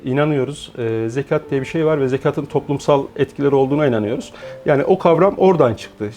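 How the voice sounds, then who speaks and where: Forties man, guest founder, warm mellow tone, measured with pauses, faint music under. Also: medium pitch. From Turkey. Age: 40s. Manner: measured, explanatory, with frequent hesitation fillers. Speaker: guest, founder of an online shop. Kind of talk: interview.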